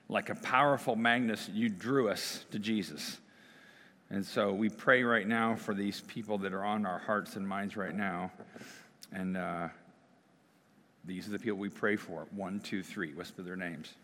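A man's voice: lowish voice, moderate pace, a bit bright. A middle-aged male pastor, slightly losing his voice, preaching and praying in a conversational way with fillers and restarts. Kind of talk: sermon with prayer. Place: church sanctuary. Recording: long reverb of a church hall.

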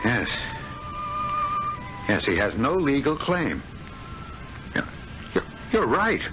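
A man's voice: mid-range voice, big pitch swings, slow. An actor playing an anxious, weak-willed male trust officer in debt, pleading and flustered in an old radio drama. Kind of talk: 1970s radio drama acting. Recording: lo-fi vintage radio with faint music.

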